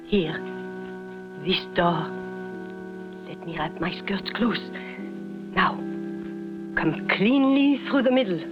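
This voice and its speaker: A passionate fugitive lover in an old radio play. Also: female voice, mid-range voice, animated, slow, pauses often. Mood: hushed. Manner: dramatic, urgent, softly formal phrasing. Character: passionate young woman of the waterfront, a fugitive's lover. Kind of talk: 1950s radio drama acting. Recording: muffled 1950s radio broadcast with music.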